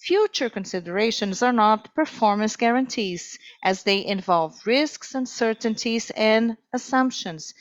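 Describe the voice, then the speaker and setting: A woman speaking as a conference interpreter, delivering a formal corporate presentation in a measured way. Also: medium pitch, no echo, low-quality recording.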